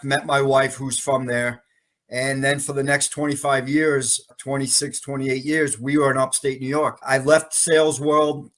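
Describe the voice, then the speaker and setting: A man's voice: mid-range voice, fairly bright tone. A man in his fifties from Massachusetts, a sales professor telling stories cheerfully as an interview guest. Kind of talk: interview storytelling.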